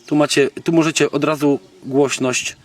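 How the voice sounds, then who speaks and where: A man from Poland gives a casual, unscripted gadget demonstration as a video blogger, halting and thinking aloud in colloquial, slangy speech. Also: on the high side, fairly even intonation. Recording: noisy, distant microphone, background clicks.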